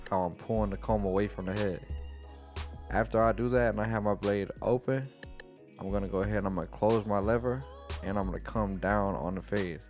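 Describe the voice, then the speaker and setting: Laid-back young barber, low voice. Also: male voice. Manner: laid-back, plain instructional talk. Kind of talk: tutorial voice-over. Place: small dim room at home. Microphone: studio microphone on boom arm. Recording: faint guitar music underneath. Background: faint guitar music.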